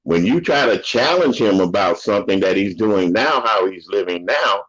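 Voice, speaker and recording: A man's voice: on the low side, lively intonation, moderate pace, fairly bright tone, breathy edge. An older man in casual conversation, an opinionated, rambling storyteller from the United States. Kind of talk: casual chat. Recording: dull lo-fi audio.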